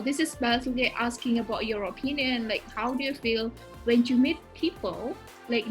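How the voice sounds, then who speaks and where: Woman host, non-native speaker with Indonesian as her first language, high voice, chatty, faint music under. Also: poor audio. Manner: chatty, bubbly, lots of fillers and laughter. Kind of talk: casual interview questions.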